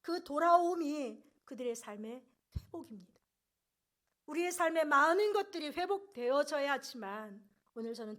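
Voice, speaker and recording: A woman preaching a sermon in earnest, rising loud on key phrases and dropping soft at the ends of sentences. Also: sits high.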